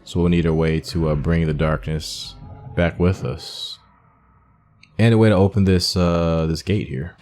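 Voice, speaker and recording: A man's voice: low voice, fairly even intonation, unhurried, a little mellow, soft background music. A man giving casual let's-play commentary on a video game, musing aloud as he talks through each step. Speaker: gaming streamer playing through a video game.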